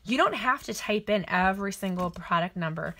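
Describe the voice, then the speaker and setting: A woman's voice: medium pitch, expressive, fairly quick, fairly bright tone. A middle-aged woman hosting a casual catalog walk-through, chatty and gushing, thinking aloud as she shows her cards. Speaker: papercraft demonstrator.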